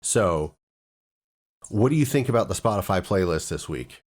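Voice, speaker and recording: A low-pitched man hosts a relaxed podcast chat among friends. He jokes around and leans on fillers and restarts as he talks. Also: normal speed. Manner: loose and joking, with many fillers and restarts. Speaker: podcast host. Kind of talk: casual chat.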